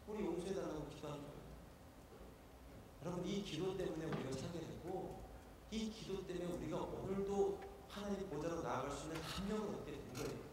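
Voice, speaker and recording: A man preaching a sermon as pastor, earnest, shifting from hushed pleading prayers to loud exhortation. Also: on the high side, a little fast, noisy background. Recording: echoey church hall, voice from far off.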